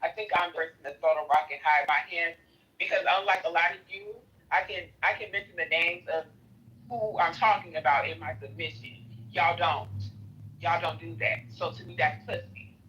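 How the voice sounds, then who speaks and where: Bright, confrontational African American voice. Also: medium pitch, steady tone, normal speed, dull audio. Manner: emphatic, confrontational, profanity-laden. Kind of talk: heated argument on a live audio chat app.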